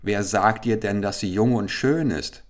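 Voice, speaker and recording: A man's voice: on the low side, unhurried, lightly acted. A man playing a young caliph turned into a stork in a fairy-tale audiobook, speaking urgently and eagerly.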